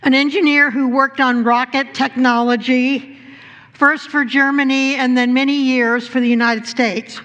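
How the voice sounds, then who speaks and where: A woman minister giving a sermon with stories, speaking deliberately with pauses and rhetorical questions. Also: high voice, level tone, a bit bright, muffled recording. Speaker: minister leading a service. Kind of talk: sermon with storytelling. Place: church sanctuary during a live service. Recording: echoey hall with long reverb.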